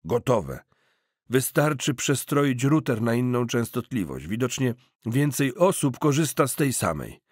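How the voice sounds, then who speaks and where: Man as a gruff, husky male technician. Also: medium pitch, very animated, unhurried, no echo, studio quality, voice pushed up. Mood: curt, reproachful. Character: short stocky bearded technician, gruff, curt, scornful.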